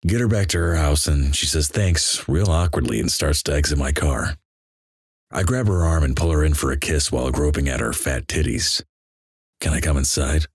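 Very deep, husky deadpan man. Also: normal speed, no room sound, studio quality. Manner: deadpan, flat delivery of crude jokes. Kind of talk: deadpan reading of internet stories.

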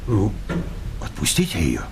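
Fussy, bookish hypnotist, very expressive. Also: male voice, deep voice, unhurried, gravelly, background noise, heavily acted. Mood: nervous, evasive. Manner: polite, bookish, nervously hesitant. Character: timid, fussy, bespectacled educated male hypnotist. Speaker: actor in a comedy audio play. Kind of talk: radio comedy acting.

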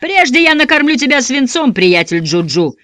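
A narrator voicing a gruff backwoods outlaw father who bellows coarse threats. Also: high-pitched, very animated, moderate pace, pushed and bright, no echo, clean studio sound, pitched above the performer's own voice, full character voice. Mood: bellowing.

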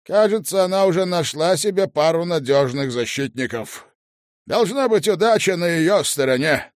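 Male reader doing a loud, clipped, commanding lord, dry close sound. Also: on the high side, animated, normal speed, no room sound, voice pushed up, close to an everyday voice. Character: stern commanding nobleman, older man.

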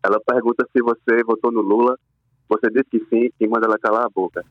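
A man's voice: mid-range voice, steady tone, fast, dry recording. A man from Paraíba calling into a talk show over a phone line, joking in slangy, laid-back banter. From Paraíba, Brazil. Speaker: call-in listener. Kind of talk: casual call-in chat. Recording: muffled dry phone line.

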